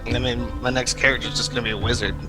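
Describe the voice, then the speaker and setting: A man's voice: mid-range voice, flat delivery, racing, music in the background, rough recording. A man playing a tabletop game, chatting casually and joking with the other players.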